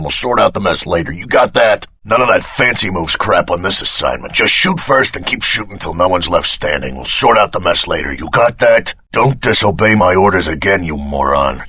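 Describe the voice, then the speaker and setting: An actor playing a gruff, hard-bitten military squad commander in a video game, barking threatening orders. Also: male voice, on the low side, bright, forceful tone, no echo, exaggerated voice. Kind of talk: video game combat barks.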